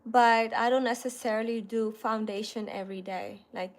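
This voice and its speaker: A woman in her thirties chatting casually with viewers in a relaxed, talkative way, often saying "you know" and "like". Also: on the high side, moderate pace. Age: 30s. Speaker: content creator. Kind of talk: casual livestream chat answering viewers.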